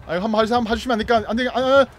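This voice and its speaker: A young man streaming a horror game, giving excited, playful commentary and jokingly pleading with the killer. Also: very high-pitched, very fast. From Korea. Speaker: gaming streamer. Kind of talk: excited live gameplay commentary.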